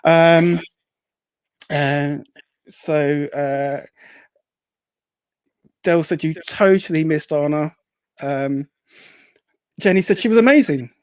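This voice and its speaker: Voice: medium pitch, takes it slowly, long pauses, clear, resonant tone, no echo. A host chatting casually on a live show, rambling and hesitant, reading out comments in an upbeat way. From Essex, England.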